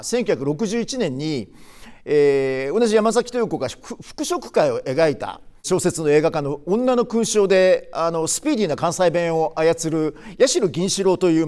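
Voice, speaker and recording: Older guy in his 60s chatting about old movies, kinda high voice, lots of ums. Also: darkish tone. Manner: chatty explainer, frequent filler pauses. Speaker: film commentary host. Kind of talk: casual film commentary.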